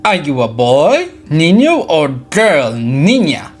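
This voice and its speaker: A man's voice: huge pitch swings, exaggerated voice. A man voicing a cheerful, eager childlike cartoon hedgehog, over music. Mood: curious. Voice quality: squeaky. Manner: exclaiming, mixing Spanish with halting English.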